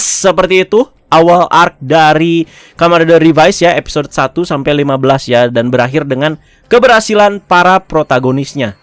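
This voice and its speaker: A man's voice: a little high, dry recording. A man giving a casual, chatty review of a TV episode, often chuckling and tagging his phrases.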